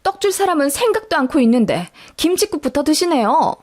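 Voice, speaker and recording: An indignant young wife, read by a woman, sharp, very high, raised voice. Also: big pitch swings, a little fast. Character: indignant young married woman confronting her mother-in-law.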